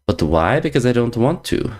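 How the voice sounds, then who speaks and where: A man's voice: mid-range voice, big pitch swings, normal speed, a little mellow. A man streaming chess, chatting casually with viewers in a playful, teasing way, repeating jokey slang phrases. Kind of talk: casual chat reading viewer messages.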